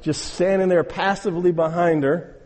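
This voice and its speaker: A man's voice: sits high, fairly even intonation, moderate pace, a little mellow, long reverb tail. A man preaching a sermon, emphatic and exhorting, repeating phrases and speaking straight to his listeners. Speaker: pastor.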